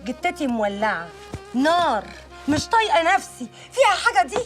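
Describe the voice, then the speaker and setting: Cranky egyptian wife, high swooping voice, snapping fast. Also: female voice, big pitch swings, soft background music. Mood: irritated. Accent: Egyptian Arabic. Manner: snappish, complaining. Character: irritable wife, refusing and sharp-tongued.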